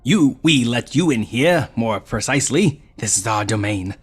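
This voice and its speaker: A man voicing a tiny, territorial, mischievous brownie in a small, raspy pixie voice for a tabletop game. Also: medium pitch, expressive, moderate pace. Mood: cocky, bickering. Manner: small pixie-like voice, bickering and indignant.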